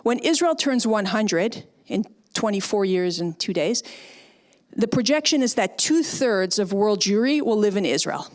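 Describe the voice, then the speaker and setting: A middle-aged woman from Canada speaks to an audience with emphatic conviction, building her points with rhetorical questions. Her pitch sits in the ordinary middle for a woman, and her delivery is firm and persuasive. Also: expressive, a little slow, a little mellow. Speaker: guest speaker, former speechwriter. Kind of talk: public talk and audience Q&A.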